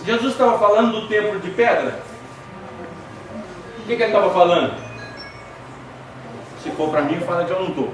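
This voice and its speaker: At a spiritist center, a high-voiced lecturer with a Brazilian Portuguese accent talks to his audience in a casual way, asking questions and telling jokes drawn from anecdotes. The recording has an echoey hall sound, a distant mic, and faint noise.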